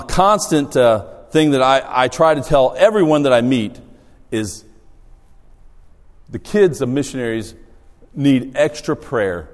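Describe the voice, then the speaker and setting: A man from Australia speaks as a missionary in church, telling self-deprecating stories with a low voice. His pitch rises and falls in a lively way. The sound carries a long hall reverb. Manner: storytelling, animated, self-deprecating humor. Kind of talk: church talk with anecdotes.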